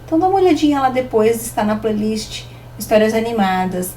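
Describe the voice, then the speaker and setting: A woman teacher giving a recorded online lesson, explaining patiently and slowing down to sound out example words. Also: fairly high pitch, very animated, warm tone, distant mic, a little hiss or hum, poor audio.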